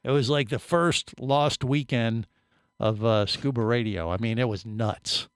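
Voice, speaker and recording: A middle-aged man hosts a radio show from a studio, rambling through a funny story. His voice is smooth and clear, and the sound is dry and close. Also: medium pitch, unhurried, no room sound. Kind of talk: casual studio banter.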